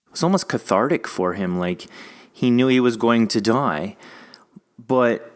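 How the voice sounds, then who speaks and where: A man's voice: mid-range voice, expressive, unhurried, clean tone. A man hosting a podcast, thinking aloud earnestly in a casual discussion. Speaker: podcast host. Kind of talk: casual discussion of an audio drama episode.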